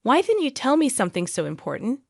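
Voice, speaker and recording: A man's voice: very high-pitched, wildly swooping pitch, quick pace, creaky, dry recording, studio quality, pitched above the performer's own voice, exaggerated voice. A woman voicing an angry adult husband who demands answers in a raised voice.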